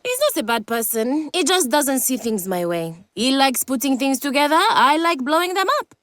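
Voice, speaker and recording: An actress voicing a manic, cheerful young woman in a video game, excitable and giggly, with a gleeful passion for explosives. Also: high-pitched, normal speed. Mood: chatty, earnest. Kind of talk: video game character acting.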